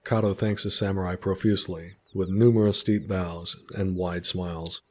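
A man narrating a story in a calm, descriptive way. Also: low-pitched, normal speed.

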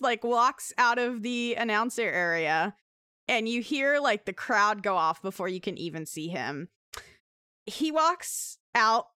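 Podcast host, woman, slightly high and very bright, animated storyteller. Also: smooth, dry recording, studio quality. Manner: animated storyteller, laughing often. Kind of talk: casual chat, recounting a wrestling segment.

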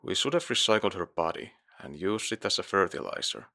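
Bright, earnest, tactless father. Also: low-pitched, lively intonation, brisk, full character voice. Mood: insistent. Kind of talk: audio drama acting.

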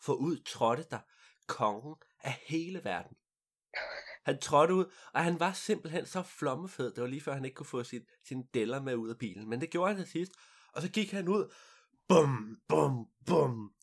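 Animated storyteller with sound effects. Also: medium pitch. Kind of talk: improvised storytelling.

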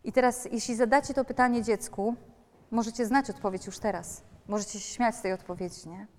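A woman with a fairly high voice gives a talk to an audience of parents in the manner of a counselor. She turns straight to her listeners, often checking in with quick tag questions. Her voice rings out with a long reverb from the hall. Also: steady tone. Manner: addresses listeners directly, frequent tag questions.

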